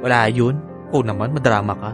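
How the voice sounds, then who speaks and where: A woman's voice: extremely low pitch, quick pace, over music. A woman acting in a Filipino audio drama as a sassy, scolding, exasperated but caring lesbian co-parent. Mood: matter-of-fact, caring.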